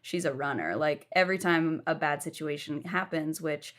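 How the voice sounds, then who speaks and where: A woman's voice: sits low, normal speed. A young woman from the southern United States, telling her life story frankly while lying down as a podcast guest.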